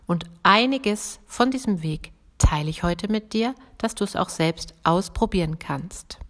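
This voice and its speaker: Encouraging female voice coach podcasting. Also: medium pitch. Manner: warm direct address to listener, encouraging.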